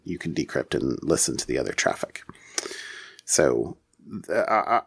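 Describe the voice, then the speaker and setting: A man co-hosting a casual tech news discussion, talking in a halting way as he thinks aloud. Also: low voice, gravelly, no room sound, studio quality. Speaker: podcast co-host.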